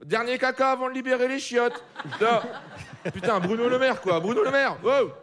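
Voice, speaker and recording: A man's voice: very high voice, moderate pace, a bit bright, slight background noise. A man delivering a live comic radio chronicle, rowdy and swearing, laughing at his own jokes, in a studio before an audience. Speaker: comedy columnist.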